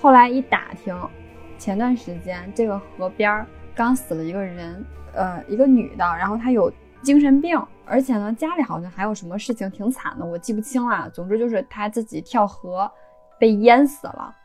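A woman's voice: medium pitch, lively intonation, normal speed, a little mellow, faint music behind. A woman hosting a podcast, telling a story in a chatty, casual way. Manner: chatty, with frequent erhua endings. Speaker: podcast host.

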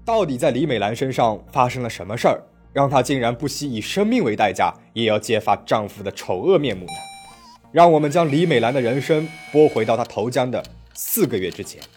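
A man's voice: mid-range voice, animated, a little fast, hardly any pauses, a little mellow, faint music behind. A man narrating a true-crime story from a script, telling it dramatically with rising emphasis.

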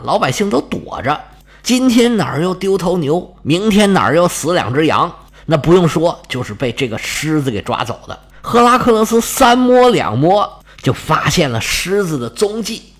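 Lively, husky male storyteller. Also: fairly high pitch. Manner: chatty, folksy, with sound effects. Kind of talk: storytelling narration.

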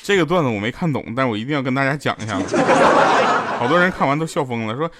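A man's voice: mid-range voice, lively intonation, fast talker, over loud music. A man hosting a podcast, telling jokes in a teasing comedy monologue and chuckling through his punchlines. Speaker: podcast host. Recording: loud hiss and clicks.

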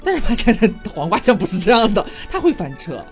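Male podcast co-host, fast and lively, soft music under him. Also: high-pitched. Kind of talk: casual chat.

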